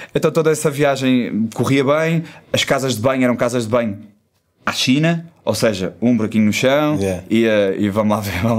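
A man talks in an ordinary speaking voice, keeping a moderate pace, a medium pitch and ordinary pitch variation. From northern Portugal, Porto. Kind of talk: casual interview.

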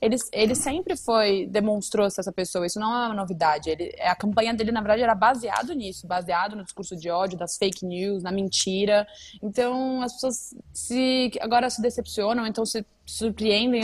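Somewhat breathy, a woman talks at a moderate pace with a fairly high pitch and ordinary pitch variation. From Brazil. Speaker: actress. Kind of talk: casual chat.

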